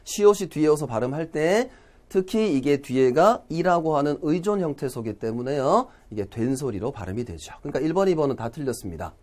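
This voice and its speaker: A man's voice: fairly high pitch, fairly quick. A middle-aged man explaining exam answers as a language lecturer, often checking in with questions to students. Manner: lively teacherly, asks students questions often.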